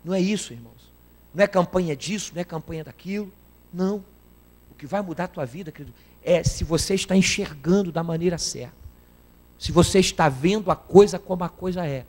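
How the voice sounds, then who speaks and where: Emphatic high-voiced preacher. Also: male voice, a little fast, darkish tone. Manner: emphatic, calls out to the congregation. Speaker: guest preacher. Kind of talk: sermon.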